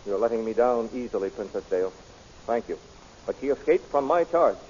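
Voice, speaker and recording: A man's voice: medium pitch, lively intonation, brisk, dark tone, slight background noise, close to an everyday voice. An actor playing a loyal, courteous palace guard nobleman in a 1930s radio serial, formal and earnest, on a dull old recording. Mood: dismayed.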